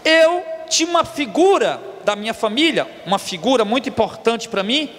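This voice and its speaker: A man's voice: extremely high pitch, animated, moderate pace, fairly bright tone, long reverb tail. A Brazilian man in his forties preaching a sermon as a pastor, emphatic and repetitive, calling his listeners brothers. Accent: Brazilian Portuguese. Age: 40s. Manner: emphatic preaching, repeats key words, addresses listeners as brothers.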